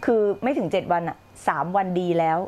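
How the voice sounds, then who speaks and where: A middle-aged woman coaching on a live stream, blunt and slangy, acting out her past self with shouted outbursts. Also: on the low side, brisk, noisy background. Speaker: life coach. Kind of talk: live-streamed motivational talk.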